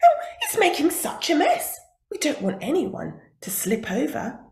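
A woman's voice: high voice, wildly swooping pitch, unhurried, gravelly, darkish tone, pitched above the performer's own voice, full character voice. A woman voicing a small, hardworking female dung beetle in a bedtime story. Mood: earnest. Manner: chirpy, earnest. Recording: roomy echo.

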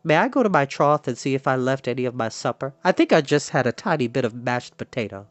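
An earnest young male pig from a storybook, acted out by a narrator. He is childlike and pleading, with a lot of movement in the pitch and an anxious eagerness. The sound is dry and close, with faint music. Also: lively intonation, quick pace, dry recording, natural voice. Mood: meek.

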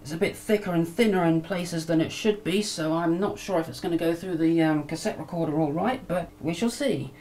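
A woman with a fairly low voice talks through a hands-on demonstration in a casual way. Her explanation comes haltingly. The amateur camcorder sound carries light noise behind her. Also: darkish tone. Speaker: hobbyist video maker, demonstrator. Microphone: camcorder microphone near the bench.

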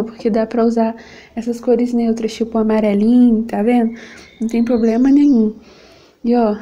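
A woman's voice: fairly high pitch, dark tone. A young Brazilian woman with a Brazilian Portuguese accent, gushing affectionately as she unboxes gifts for a casual home vlog, filmed on a camera set on her table. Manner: gushing and affectionate, keeps calling out to viewers. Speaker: vlogger.

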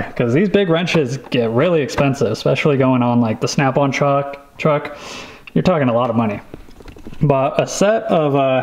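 Relaxed rambling guy, noisy recording. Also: mid-range voice. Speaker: vlogger showing a tool haul. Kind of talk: casual show-and-tell chat.

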